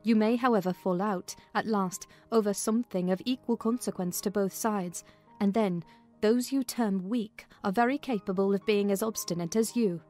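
A woman as a firm, mellow-voiced housekeeper. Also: mid-range voice, moderate pace, faint music behind, natural voice. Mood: frank, cautioning. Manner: admonishing, firm. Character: sensible, frank female housekeeper advising her mistress. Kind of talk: dramatized audiobook reading of a classic novel.

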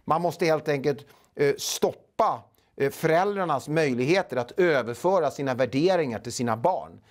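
Halting Swedish man, studio interview. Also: a little high, expressive. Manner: halting, many filler sounds. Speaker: guest. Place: small studio. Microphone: lapel mic.

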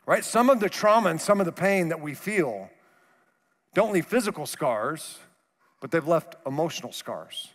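Middle-aged guy preaching, kinda high voice, chatty and animated, big echoey church. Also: moderate pace. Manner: conversational and animated, acting out quoted voices. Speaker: pastor. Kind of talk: sermon. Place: large church hall. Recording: long hall reverb.

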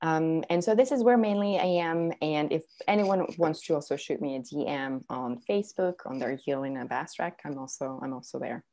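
A woman's voice: deep voice, brisk, few pauses, mellow. A woman from Serbia, a parenting coach, talking earnestly as a guest, with many fillers and restarts. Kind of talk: casual interview talk.

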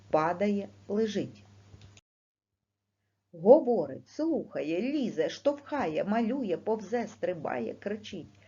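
A woman teaching a primary school lesson, speaking slowly and clearly with questions to the class. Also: fairly low pitch. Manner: slow, clear teacher's delivery with lively rising questions. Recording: dull lo-fi recording.

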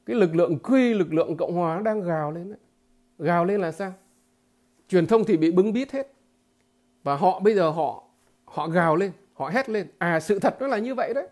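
A man giving a political commentary monologue to his viewers, halting and repeating filler words, emphatic and blunt. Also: high-pitched, expressive, darkish tone. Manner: emphatic, with blunt crude imagery.

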